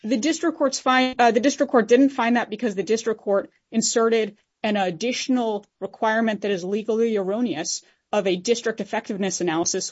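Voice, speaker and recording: A woman's voice: medium pitch, a little mellow, husky, muffled recording. A woman lawyer making a formal, technical oral argument to judges in an assertive way. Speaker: appellate lawyer.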